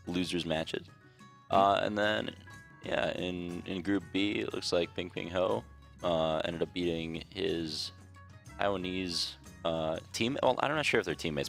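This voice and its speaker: Low gravelly male esports analyst. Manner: relaxed, hesitant, many fillers. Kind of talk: esports desk commentary.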